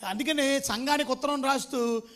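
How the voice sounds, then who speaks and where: A man's voice: extremely high pitch, normal speed, fairly bright tone. A man preaching a sermon, often quizzing the congregation and dropping English phrases into his talk. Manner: emphatic, questioning the congregation. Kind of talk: Telugu sermon.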